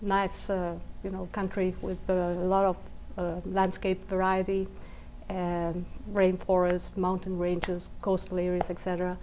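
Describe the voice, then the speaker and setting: A woman's voice: lowish voice, monotone, a little slow, mellow, a little hiss or hum, poor audio. A woman from Venezuela speaking as a geologist on a panel, hesitant and full of fillers. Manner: hesitant, many fillers and restarts. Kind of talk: panel discussion.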